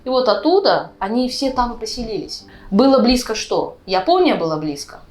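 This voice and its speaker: A woman's voice: on the high side, sing-song, normal speed, music in the background. A woman in her twenties from Uzbekistan, speaking as a guest in a casual, conversational explanation, often checking in with her listener. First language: Russian. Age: 20s. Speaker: guest, vlogger.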